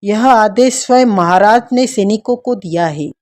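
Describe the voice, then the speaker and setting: Storybook: hushed, urgent young noblewoman , read by a woman; slow, mellow. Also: medium pitch, lightly acted. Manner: hushed, whispering.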